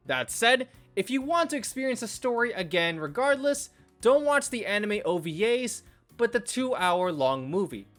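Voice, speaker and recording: High-voiced man narrating a review. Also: fairly bright tone. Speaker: anime and visual novel reviewer. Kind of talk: scripted video review narration. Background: background music.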